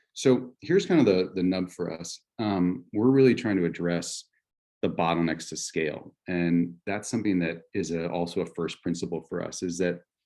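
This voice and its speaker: A dark, mellow voice with an American accent speaks at a moderate pace with ordinary pitch variation, recorded very cleanly against a silent background. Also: man, very deep, low pitch for a man. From Massachusetts, Cape Cod. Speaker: reforestation company executive. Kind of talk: presentation on a call. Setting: conference call. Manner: hesitant, many fillers.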